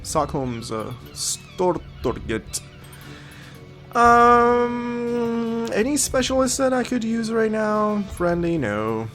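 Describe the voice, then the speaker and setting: A man's voice: high voice, big pitch swings, takes it slowly, a bit bright, faint music behind. Sniffly man thinking aloud over a game. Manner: thinks aloud, reads game text, many ums. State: sniffly with a cold. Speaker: gaming video host. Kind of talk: casual let's-play commentary.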